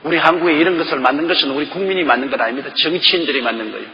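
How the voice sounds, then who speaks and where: Older pastor w/ preaching hard, lots of rhetorical questions, echoey church hall. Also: male voice, a little high, rapid-fire, highs cut off. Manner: emphatic, repeats key phrases, fires rhetorical questions. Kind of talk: sermon.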